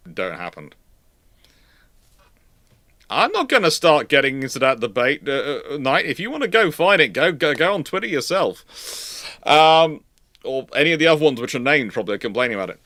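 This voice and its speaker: A man's voice: mid-range voice, big pitch swings, moderate pace, sharp tone, no echo. A man hosting a casual live question-and-answer stream, stammering and often repeating words as he restarts his phrases. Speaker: livestream host answering viewer questions.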